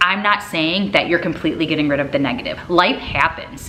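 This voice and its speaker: Over noticeable background noise, a woman with an American accent talks at a fairly quick pace, her tone animated and her pitch varying in an ordinary way. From Wisconsin. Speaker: lifestyle vlogger. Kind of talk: casual vlog talk to camera. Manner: chatty, animated.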